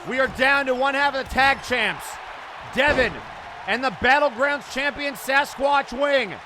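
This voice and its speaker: A man giving live play-by-play wrestling commentary with excited, exclamatory calls. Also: very high voice, measured pace. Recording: noisy event audio with loud crowd. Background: crowd and arena noise.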